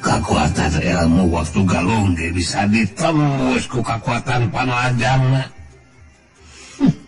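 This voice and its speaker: An arrogant folktale warrior villain with a Sundanese accent, acted out by a male storyteller. He broods and boasts coarsely in a low, drawn-out voice over loud music. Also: steady tone. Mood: frustrated, brooding. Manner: groaning, muttered inner monologue and boastful threats.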